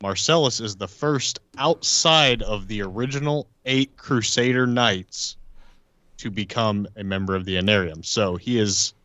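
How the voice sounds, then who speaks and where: A man casually describing his game character as a podcast player, halting and matter-of-fact. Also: fairly low pitch, pushed and bright, dry recording.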